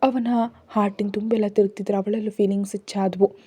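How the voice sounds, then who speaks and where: A woman narrates a romance story in a mellow, warm voice. The recording is close and dry, with no room sound. She reads the characters' lines in her own narrating voice. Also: mid-range voice, level tone, fast talker, husky, no room sound.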